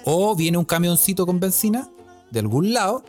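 Hombre chileno bromista, con música de fondo. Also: male voice, high voice, very animated, moderate pace, darkish tone, soft background music. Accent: Chilean Spanish. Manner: joking, laughs often, slangy. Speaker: podcast co-host. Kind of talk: casual chat.

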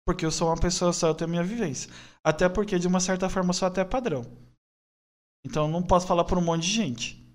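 A man's voice: high voice, quick pace. A man, talking earnestly and at length as a podcast guest, with frequent restarts. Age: 20s. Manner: earnest, opinionated, rambling with restarts. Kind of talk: casual podcast conversation.

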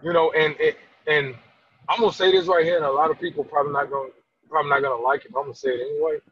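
A man's voice: fairly high pitch, steady tone, very fast, fairly bright tone, lo-fi sound, a little hiss or hum. A man talking candidly about raising his autistic son, earnest and emphatic, often stammering and restarting. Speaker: guest, father of an autistic son. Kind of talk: candid conversational interview.

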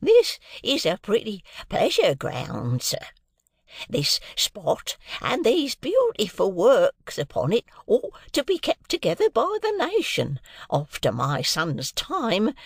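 A man voicing a cheerful, very old deaf man who talks loud, high and quavering. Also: wildly swooping pitch, slow pace, creaky, dry recording, clean studio sound, exaggerated voice. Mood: delighted. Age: older.

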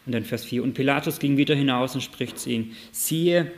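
A man preaching a sermon, reading Bible verses aloud and asking lively rhetorical questions, moving between loud and soft passages. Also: mid-range voice, fairly quick.

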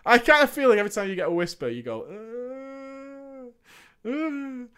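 A man's voice: very high-pitched, big pitch swings, moderate pace, fairly bright tone, smooth. A man reading a gaming story aloud, breaking off for sarcastic comic asides and frequent laughter. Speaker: story reader.

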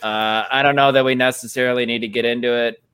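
A man's voice: mid-range voice, fairly even intonation, quick pace, a bit bright, smooth. A man co-hosting a loose podcast chat among friends. He talks bluntly and swears freely, with a mid-range voice, and breaks into laughter often. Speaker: co-host.

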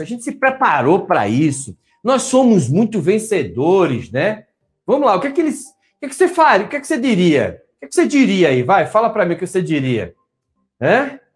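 A man with a Brazilian Portuguese accent, giving a motivational talk as a coach and coaxing his audience to answer. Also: high-pitched. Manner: animated, coaxing, asks listeners to answer.

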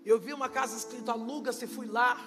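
A Brazilian woman pastor giving a testimony sermon at a church service, impassioned and rising to shouted preaching. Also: fairly high pitch, fairly even intonation, brisk, over music. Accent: Brazilian Portuguese.

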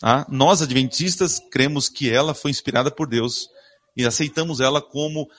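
This man preaches a sermon in church with a medium-pitched, fairly bright voice at a normal speed. He reads Bible verses aloud, asks his congregation questions, and answers them himself.

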